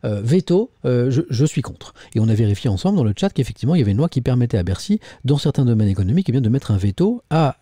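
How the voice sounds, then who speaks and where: A man's voice: mid-range voice, sing-song, very fast, hardly any pauses, warm tone, no echo, clean studio sound. A middle-aged man casually reviewing the morning papers on a live stream, reading editorials aloud and chatting with viewers. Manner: chatty, reads editorials aloud and comments, talks to the chat.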